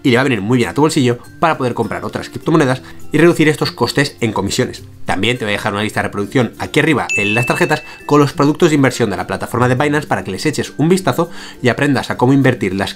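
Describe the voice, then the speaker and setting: A young man with a Spain Spanish accent, hosting a step-by-step screen-share tutorial from a small room, explaining energetically. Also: medium pitch. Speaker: tutorial host.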